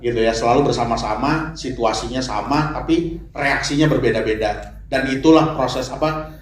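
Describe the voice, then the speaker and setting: Halting man at a press conference. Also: mid-range voice, a little hiss or hum. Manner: halting with fillers. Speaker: animation director. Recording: echoey hall, faint ambience.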